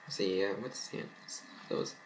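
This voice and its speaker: At a measured pace, a young man vlogs from his bedroom, casually rambling and reading fan fiction aloud like an amateur, stumbling over his words regularly. The recording is rough.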